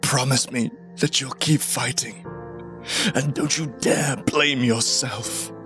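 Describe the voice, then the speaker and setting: A man playing a loyal, brave comrade who is dying, speaking weakly and tenderly with strained breath in an animated drama. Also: medium pitch, slow pace, music in the background, close to an everyday voice. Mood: tender farewell. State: weak, breathy, coughing.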